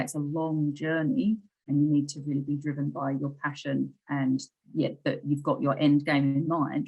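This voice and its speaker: A woman's voice: sits low, breathy edge, rough recording. A woman co-hosting a webinar panel, agreeing and chatting loosely with many fillers.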